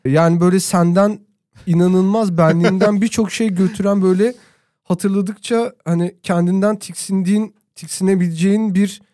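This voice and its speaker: A man's voice: high voice, steady tone, brisk, dark tone, dry recording, studio quality. A man co-hosting a casual chat, rambling and reflective as he recalls things. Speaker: podcast co-host.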